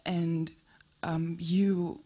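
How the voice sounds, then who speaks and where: A woman's voice: on the low side, level tone, very slow, mellow. A woman from Greece in a theater audience, asking a hesitant question into a handheld microphone. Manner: hesitant, searching for words.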